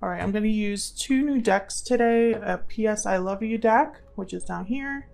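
A woman's voice: medium pitch, normal speed, gravelly, a little mellow. A woman hosting a casual tarot reading for viewers, musing aloud as she explains and calls on spirit guides. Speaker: tarot reader and channel host.

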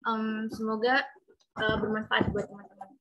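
Woman, webinar speaker, chatty, talks to viewers directly, bright tone, computer mic. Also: a little high, little pitch movement, normal speed, faint music behind. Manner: chatty, addresses audience directly. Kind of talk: casual slide presentation. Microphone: computer mic on video call.

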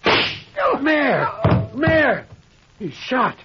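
A nervous, sardonic small-town doctor in a vintage radio drama. His voice rises and falls widely. The sound is dull, with clear noise over it. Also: very high-pitched, wildly swooping pitch, drawn-out words, full character voice. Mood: alarmed. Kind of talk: 1940s radio acting. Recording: noisy muffled old radio recording.

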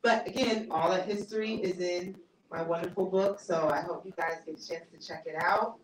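Author lecturing in an echoey bookstore. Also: female voice, lowish voice, steady tone, moderate pace, slight background noise. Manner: conversational, laughs easily, many fillers. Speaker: author giving a talk. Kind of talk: casual lecture with audience Q&A. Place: small bookstore cafe event space. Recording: echoey room, mic far off.

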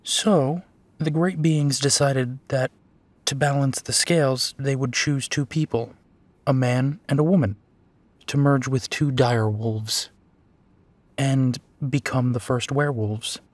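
A man acts out a tender, weary werewolf detective in an intimate audio drama. He speaks slowly and softly in halting phrases, at a middling male pitch. The recording is dry and close, and he sounds protective. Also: fairly even intonation, no room sound, lightly acted. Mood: reflective, wistful. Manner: soft, halting, sighing delivery. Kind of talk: intimate scripted audio roleplay.

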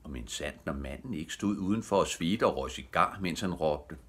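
An older man reading a children's bedtime story aloud with gentle, lively storytelling. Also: a bass voice, slightly rough. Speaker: audiobook reader.

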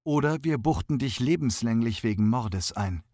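Man voicing a male detective, gruff, blunt, intimidating, bad cop, dry close sound. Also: mid-range voice, animated, normal speed, dark tone, no room sound.

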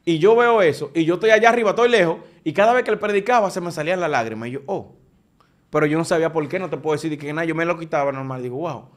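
Animated man telling his story. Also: a little high, rapid-fire, hardly any pauses. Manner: animated storytelling with frequent restarts. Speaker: preacher giving his testimony. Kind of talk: conversational testimony.

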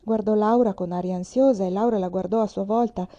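A woman reads a children's novel aloud with calm, measured pacing. Her voice is mellow and warm, at a middle pitch. The recording sounds dull and lo-fi. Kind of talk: audiobook reading of a children's novel.

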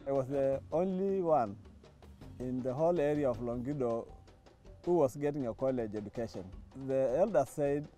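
A middle-aged man from Tanzania, telling his story in an interview, reflective and thoughtful, pausing and restarting often. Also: medium pitch, mellow. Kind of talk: testimony interview. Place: outdoors by a lawn. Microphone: lapel mic.

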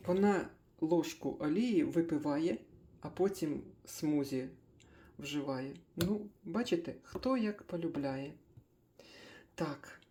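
An older woman chatting casually as she makes a breakfast smoothie in her kitchen, thinking aloud with small laughs. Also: low-pitched, warm tone, slight background noise. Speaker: cooking vlogger.

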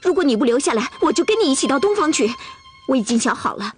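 A headstrong, lovesick young Russian woman in a television costume drama. She keeps pressing her demand in a high, lively voice that climbs and dips a lot, with a music score swelling behind her. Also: fast talker. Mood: earnest. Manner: insistent, repeats her pleas over and over. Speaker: Russian woman in love with a herder.

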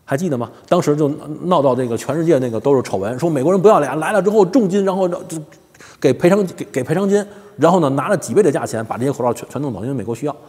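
A man's voice: on the high side, animated, rapid-fire, darkish tone, husky, long reverb tail. A man hosting a casual monologue, telling rambling stories and often checking in with "you know?". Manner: rambling storytelling, keeps asking "you know?". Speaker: host.

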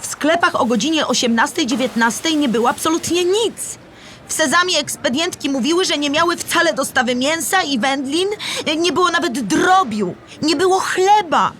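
A woman playing an exasperated city diarist, reading her entries aloud in an expressive, weary manner. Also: high voice, a little hiss or hum. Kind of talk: dramatised diary reading.

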